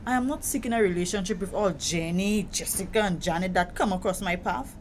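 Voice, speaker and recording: A woman's voice: mid-range voice, fairly quick, lightly acted. A woman with a Caribbean accent playing a proud, wounded young gay woman in a conversational audio drama, emphatic and indignant. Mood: defensive. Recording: noticeable background noise.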